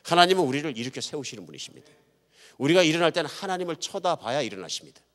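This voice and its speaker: A man preaching a sermon to his congregation, emphatic, swinging from loud to hushed and joking with the listeners. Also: a little high, sing-song, very fast, big-room sound. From Chungcheong Province, Korea. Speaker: pastor. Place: church sanctuary.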